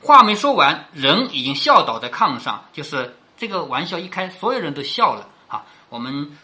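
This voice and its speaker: A woman's voice: deep voice, very animated, moderate pace, sharp tone. A woman reading a classic novel aloud and explaining it in a chatty way, often asking rhetorical questions.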